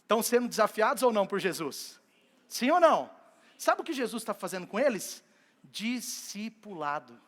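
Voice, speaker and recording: A man preaching a sermon at a church service, telling Bible stories in a lively way and acting out the characters. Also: high voice, normal speed. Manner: animated storytelling that acts out biblical scenes. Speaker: pastor.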